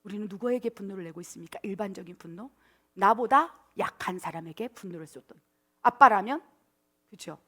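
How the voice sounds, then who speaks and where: A middle-aged woman pastor preaching a sermon at a church service, animated and acting out prayers in coaxing, whiny voices. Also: mid-range voice, fairly quick. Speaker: pastor and missionary.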